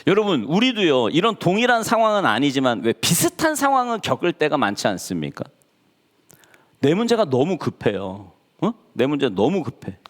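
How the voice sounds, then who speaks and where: A man's voice: fairly high pitch, normal speed. A male pastor preaching a sermon in a church, talking to the congregation and acting out the people he quotes. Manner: animated, acts out quoted voices. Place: church sanctuary. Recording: church hall reverb.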